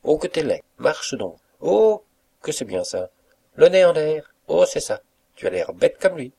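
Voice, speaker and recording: A giggling, teasing young cook in an audiobook, her voice pitched high and bright above the reader's own, as a male narrator puts her on. She mocks playfully with a husky undertone. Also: sing-song, unhurried, heavily acted.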